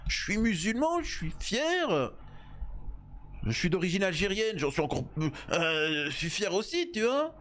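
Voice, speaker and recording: A man's voice: high-pitched, sing-song, a little slow, a bit bright. A man with a French accent giving casual, slangy, opinionated commentary and speaking straight to his viewers. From France. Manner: familiar, opinionated, addresses viewers directly. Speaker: commentator reacting to interview clips.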